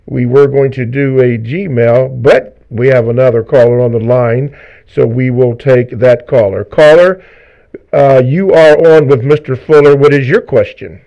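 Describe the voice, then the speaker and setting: A man co-hosting a live talk radio show, reading promos and introducing callers in measured announcer phrasing. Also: mid-range voice, vocal fry, mellow. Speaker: radio co-host. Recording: slightly dull lo-fi radio audio.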